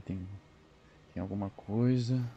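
Brief: gameplay streamer, mellow low voice, jittery self-talk, faint hiss. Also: male voice, takes it slowly, vocal fry, lo-fi sound. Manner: nervous, talks to himself. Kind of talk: let's play commentary.

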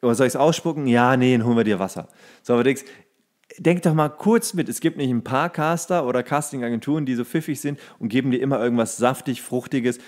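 A man's voice: medium pitch, quick pace, a little mellow. A man co-hosting a podcast, telling humorous stories in casual chat and acting out the dialogue as he goes. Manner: acts out dialogue within his stories. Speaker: podcast co-host and actor telling casting stories.

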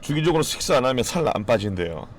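A game streamer, a man, talks loosely to his viewers with a lively, swooping delivery. He swears often and bursts out loudly now and then. Faint music plays behind him. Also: medium pitch, fast talker. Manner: swears freely, jokes with chat, sudden loud outbursts. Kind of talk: casual live-stream chat.

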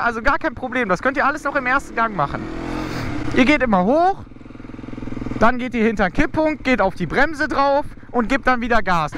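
Young male motovlogger, very high voice, coaching casually from inside a helmet, clear engine noise behind him. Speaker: motovlogger giving a riding tutorial. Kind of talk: casual instructional commentary while riding. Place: outdoors inside a helmet, riding a motorcycle. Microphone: mic inside motorcycle helmet.

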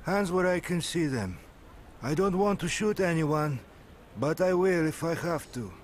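A man's voice: on the high side, animated, measured pace, a little hiss or hum. A male actor playing a stern, resolute armed man guarding a secret in a motion-comic thriller, firm and commanding. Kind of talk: dramatic motion-comic voice acting.

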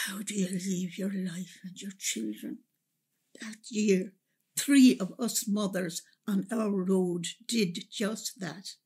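A woman's voice: mid-range voice, breathy edge. A woman playing a wistful, resilient older Irish mother reminiscing expressively about hard years in a radio drama monologue. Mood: sad, resolute. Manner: slow, reflective, expressive.

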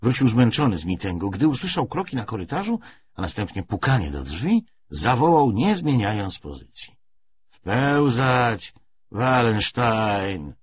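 A man's voice: on the low side, huge pitch swings, normal speed, darkish tone, breathy edge. A man reading a novel aloud as an audiobook narrator, in scripted literary narration. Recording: dull lo-fi recording.

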